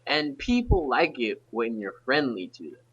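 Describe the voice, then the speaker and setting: Young male podcast host, bright and forceful tone, rambling casual delivery, dull lo-fi audio. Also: medium pitch, very animated, breathy edge. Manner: rambling, halting restarts. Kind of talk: casual chat.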